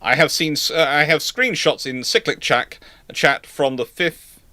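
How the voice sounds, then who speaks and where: Guy on a livestream answering questions, rambles and backtracks, crisp bright voice, no room echo. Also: a little high, lively intonation, measured pace. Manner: rambling, thinking aloud, self-correcting. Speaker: host of live question-and-answer show. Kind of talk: unscripted discussion, answering viewer questions.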